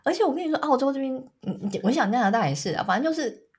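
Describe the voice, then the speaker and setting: Husky-voiced chatty Taiwanese woman. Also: sits high, lively intonation, rapid-fire. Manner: chatty storyteller, laughs often. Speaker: podcast co-host. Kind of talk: casual chat.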